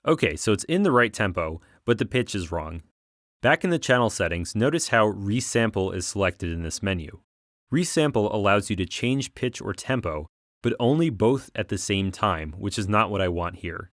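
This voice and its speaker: A man narrating a software tutorial as an instructor, explaining things clearly step by step on a close voice-over mic. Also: fairly low pitch, expressive, normal speed, no echo.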